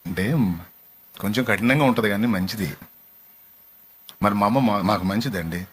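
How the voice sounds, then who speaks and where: A man's voice: lowish voice, moderate pace, a little hiss or hum. A man pastor preaching a sermon. He tells stories and puts direct questions to the congregation, then builds to impassioned exhortation.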